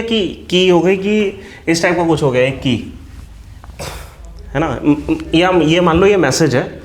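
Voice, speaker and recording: A male teacher from India explaining a topic to students in an online class, often asking them questions as he goes. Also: high voice.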